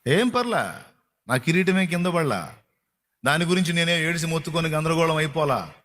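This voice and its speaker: A man's voice: on the high side, expressive, moderate pace, a bit bright. A male pastor preaching a sermon in a colloquial, repetitive style, firing rhetorical questions at his congregation.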